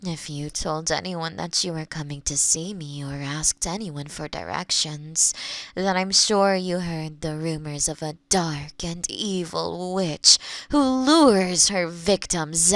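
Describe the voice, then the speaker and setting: A woman playing a kind, playful young witch who lives alone in the forest, speaking gently and teasingly to the listener in a roleplay audio drama. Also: low-pitched, no room sound, heavily acted. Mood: playful, welcoming. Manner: gentle, unhurried, teasing, with soft chuckles.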